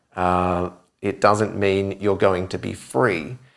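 Over a silent background in a very clean recording, a man speaks in a flat monotone at a fairly low pitch. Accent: Australian. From Australia, Adelaide. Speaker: mortgage business coach, podcast host. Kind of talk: casual chat.

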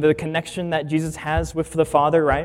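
A man with a fairly high-pitched voice talks at a fairly quick pace. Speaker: minister. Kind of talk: sermon. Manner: conversational, with fillers and repetitions.

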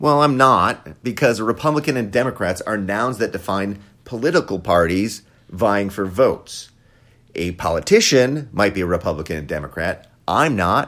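The recording is very clean, with a silent background. A man with a fairly low pitch and lively intonation talks at a moderate pace in an ordinary speaking voice. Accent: American. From Wisconsin. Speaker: podcast host. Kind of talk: monologue commentary.

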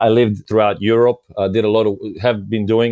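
At a fairly quick pace, a man with an Australian accent speaks in a medium pitch. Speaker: real estate investor. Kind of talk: interview.

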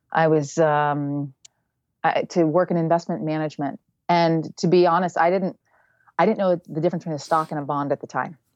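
A woman with a fairly low voice talks at a fairly quick pace with fairly even intonation. It is a plain, everyday voice. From United States, moved all over. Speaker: business executive. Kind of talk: interview.

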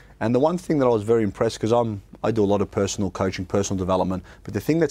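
Words come very fast from this speaker. He is a man with an Australian accent. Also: very clean recording, silent background. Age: 40s. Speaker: podcast host. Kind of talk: interview.

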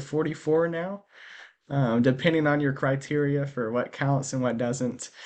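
A man with an unremarkable speaking voice talks at a moderate pace in a medium pitch, his intonation fairly even. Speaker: podcast host. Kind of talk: casual interview.

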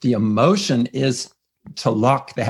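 The speaker has an American accent and sounds somewhat breathy. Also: man. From California, US. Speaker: behavior scientist and author. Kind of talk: interview.

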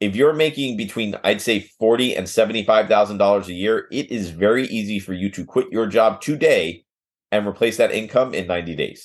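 Against a quiet background, a man with an ordinary speaking voice talks at a fairly quick pace, his fairly low pitch showing ordinary pitch variation. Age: 40s. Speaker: podcast host and entrepreneur. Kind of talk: solo podcast monologue. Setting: home office, on video. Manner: casual, with frequent fillers and repetitions.

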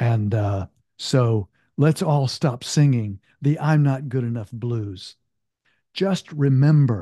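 Speaking very slowly, a man's somewhat breathy voice has a dark, mellow tone, heard dry and close with no echo over a quiet background. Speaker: poet and podcast host. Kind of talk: poetry reading, read aloud as a warm, intimate address to listeners. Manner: slow, tender and deliberate, repeating phrases twice for emphasis; gentle, soothing, reassuring.

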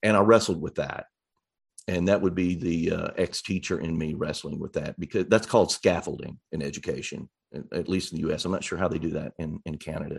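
A man's very deep, low voice with an Arkansas accent, dry and close with no echo. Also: ordinary pitch variation, fairly quick pace. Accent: Southern US (Arkansas). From US South, eastern Arkansas near Memphis. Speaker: author and former history teacher. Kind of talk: interview.

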